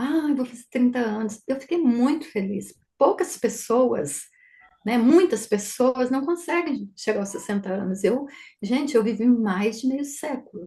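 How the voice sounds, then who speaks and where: At a moderate pace, a woman with a high pitch and a dark, mellow tone speaks with lively intonation. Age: 60s. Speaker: clinical psychologist. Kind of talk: interview. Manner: halting.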